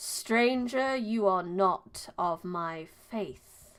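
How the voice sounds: Using a put-on character voice, a woman talks at a very slow pace. Her pitch is medium.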